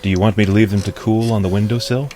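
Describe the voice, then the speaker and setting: An actor playing a gentle, devoted male companion robot in a radio drama, speaking softly and soothingly. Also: fairly low pitch, fairly even intonation, quick pace, slight background noise, lightly acted. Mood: doting. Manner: soft, soothing and tender. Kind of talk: golden-age style radio play acting. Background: music score.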